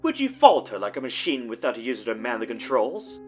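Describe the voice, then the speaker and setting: Deranged gentleman villain, florid and mock-polite, wildly swinging pitch, dull lo-fi audio drama sound with music behind. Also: wildly swooping pitch, a little fast. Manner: mockingly polite, florid, savoring phrases. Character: gloating, theatrical, deranged male villain taunting an old rival.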